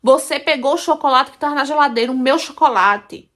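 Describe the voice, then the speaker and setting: A woman's voice: high voice, brisk, a bit bright. A woman doing a cruel shrieking aunt. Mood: shouting scorn. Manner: scolding, insulting. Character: cruel shouting aunt, grown woman, spiteful.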